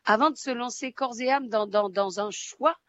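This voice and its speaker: A woman's voice: a little high, normal speed, a bit bright. A woman from southern France speaking as a radio guest in a casual, impassioned way, repeating phrases for emphasis. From Marseille, southern France. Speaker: radio guest, writer and film-maker. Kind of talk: casual phone-in chat. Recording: slightly dull, dry sound.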